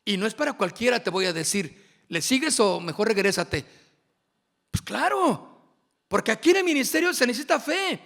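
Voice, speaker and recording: High gravelly preacher. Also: male voice, big pitch swings, a bit bright. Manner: emphatic, drawn-out phrasing with asides. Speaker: worship workshop speaker. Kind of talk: preaching at a workshop.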